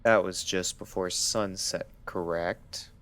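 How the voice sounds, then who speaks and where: Man as a stern, low-voiced pony doctor. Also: slow pace. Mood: flat, clinical. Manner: flat, clinical, insistent. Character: stern, impatient male pony doctor questioning a patient. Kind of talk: dramatic audio story acting.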